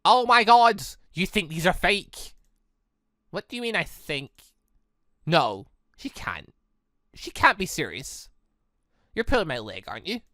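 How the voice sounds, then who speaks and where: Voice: mid-range voice, sing-song, a little slow, pauses often, sharp tone, no room sound, clean studio sound. A gaming host voicing a brash, teasing young rabbit-eared girl from a visual novel, with sassy, blunt delivery. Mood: incredulous.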